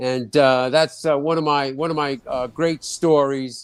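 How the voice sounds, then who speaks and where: A man with a New York accent speaks at a fairly slow pace. The recording is very clean, with a silent background. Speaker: sports podiatrist and radio host. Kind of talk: casual chat. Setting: live video broadcast.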